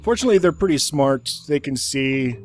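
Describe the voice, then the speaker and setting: A man's voice: mid-range voice, animated, a little fast, a little mellow. A man giving casual gameplay commentary on a video game. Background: game music.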